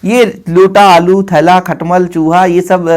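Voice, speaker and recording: A man's voice: high-pitched, level tone, slow pace. A man teaching an exam-prep lesson, explaining terms, asking questions and repeating answers for his students. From India. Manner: explains, quizzes and repeats, addressing students as children.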